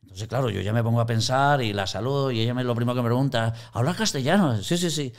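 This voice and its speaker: A man's voice: medium pitch, fast talker. A man in conversational teaching on Christian mission, telling anecdotes and acting out quoted voices. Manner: animated storyteller, acts out quoted voices.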